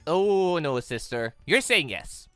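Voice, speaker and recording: A man's voice: a little high, big pitch swings, slow pace, bright, forceful tone, clean tone, no echo, faint music behind, exaggerated voice. A man voicing a brash, bossy teenage older sister from a visual novel, blunt and commanding. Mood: bossy, insistent. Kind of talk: visual novel character reading.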